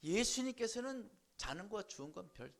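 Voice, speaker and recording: A man preaching a Sunday sermon in a church, with a slightly high voice that climbs and falls widely. His tone is gravelly and rough, and he keeps turning to the congregation to ask for a reply. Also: normal speed. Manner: animated preaching, asks the congregation for responses, acts out voices. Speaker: pastor.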